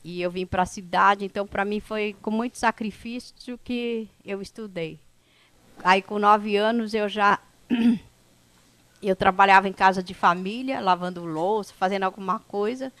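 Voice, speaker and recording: A woman from the São Paulo coast whose first language is a Brazilian indigenous language, telling her life story to an audience in an unhurried, conversational way. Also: mid-range voice, fairly even intonation, fairly bright tone. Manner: unhurried, conversational, with frequent "né?" tags and restarts. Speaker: indigenous speaker at an event.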